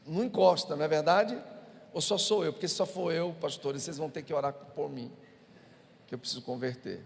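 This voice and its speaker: A man's voice: fairly high pitch, brisk, vocal fry. A male pastor with a Brazilian Portuguese accent, preaching a sermon and telling humorous stories to the congregation. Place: church hall. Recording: reverberant church hall.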